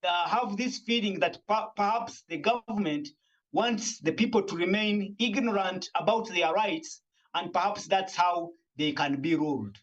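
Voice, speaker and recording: Male panelist, high voice, earnest and argumentative, dull lo-fi recording. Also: measured pace, a bit bright. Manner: earnest, argumentative, frequent restarts. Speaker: media manager and panelist. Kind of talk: panel discussion.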